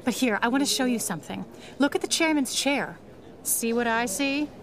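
A frank, skeptical female sidekick with a somewhat high voice, acted by a woman. She delivers pulp radio drama lines bluntly and sardonically. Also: normal speed, crowd noise, lightly acted. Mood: sardonic.

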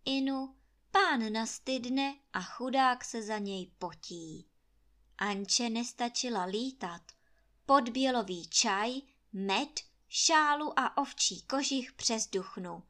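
A woman narrates a fairy tale with lively, expressive storytelling. Her voice sits somewhat high for a woman. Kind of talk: reading a fairy tale aloud.

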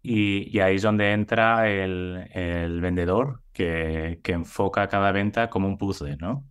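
Madrid guy, deep voice, talks slow and careful with lots of ehs. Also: clean tone. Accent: Madrid Spanish. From Madrid, Spain. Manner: measured, thoughtful, many hesitations and repeated words. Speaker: guest, head of sales. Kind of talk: interview answers.

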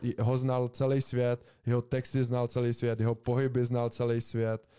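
A man's voice: mid-range voice, completely flat delivery, mellow, smooth. A young man co-hosting a podcast, musing aloud in slangy, amazed casual talk. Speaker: podcast co-host. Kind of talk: casual chat.

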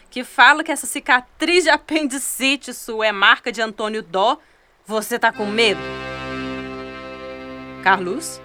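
Female ex-detective: high, emphatic, exasperated, radio serial over music. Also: pushed and bright. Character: sharp, wary female ex-detective travelling the river. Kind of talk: audio drama acting.

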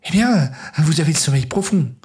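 A man voicing a female hospital nurse who calls out loudly and speaks briskly, in an audio story with music underneath. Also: fairly high pitch, animated, pitched above the performer's own voice, natural voice. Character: hospital nurse, woman, calling out.

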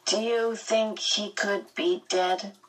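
A woman reading aloud, voicing a kind teenage boy who talks to a friend gently and reassuringly. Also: medium pitch, unhurried, breathy edge, distant mic, pitched above the performer's own voice, poor audio. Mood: gentle.

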